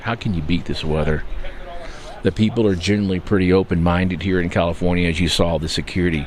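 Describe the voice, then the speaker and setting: A man with a Texan accent talks at a very fast pace. Noticeable background noise sits behind him. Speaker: first amendment auditor. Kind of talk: casual vlog talk to camera. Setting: outdoors. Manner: relaxed, with frequent fillers.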